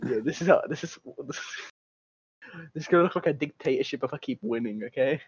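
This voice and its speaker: A man's voice: mid-range voice, normal speed, breathy edge, dry recording, lo-fi sound. A man chatting casually as a podcast co-host, telling stories in a hesitant, rambling way with asides. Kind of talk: casual chat and storytelling.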